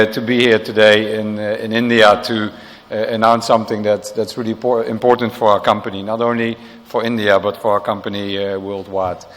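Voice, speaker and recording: A man's voice: fairly low pitch, fairly bright tone, in a large hall. A middle-aged Dutch executive with a slight South African tinge to his accent, giving a press conference speech full of "uh" fillers and restarts. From Netherlands. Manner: hesitant, many uh fillers and restarts. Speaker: corporate marketing executive.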